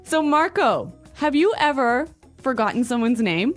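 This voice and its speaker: A woman's voice: high voice, big pitch swings, unhurried, faint music behind. A woman with a standard American accent co-hosting a language lesson podcast in a conversational style.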